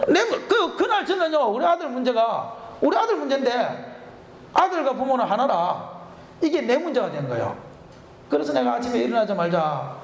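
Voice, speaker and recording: A middle-aged man, a pastor, preaching a revival sermon and telling a personal story with animated, laughing delivery. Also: very high-pitched, a little hiss or hum. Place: church sanctuary. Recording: echoey church hall.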